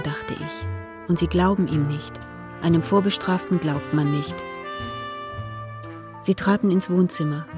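A woman narrating in the inner voice of an anxious mother in a radio play, quiet and halting, sometimes whispering. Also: on the low side, close to an everyday voice. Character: anxious mother of a troubled son.

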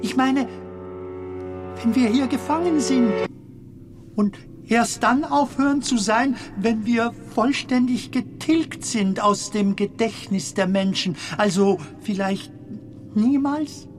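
A doubting film comedian in an audio drama, anxious and searching. He speaks slowly and haltingly, feeling for each word, while music plays clearly behind him. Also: very high-pitched. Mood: brooding, anxious. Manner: hesitant, halting, searching for words. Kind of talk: theatrical audio drama dialogue.

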